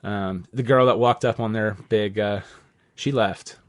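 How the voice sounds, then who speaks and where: A man's voice: on the low side, steady tone, unhurried, no room sound, clean studio sound. A man hosting a podcast, chatting casually in a rambling way, full of "like" and the odd swear word. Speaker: podcast host.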